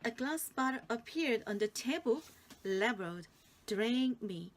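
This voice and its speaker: A woman's voice: fairly high pitch, animated, normal speed, slight background noise. A woman with a Korean accent, a native Korean speaker, playfully reading a fairy tale aloud and adding asides for learners. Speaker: storytelling teacher.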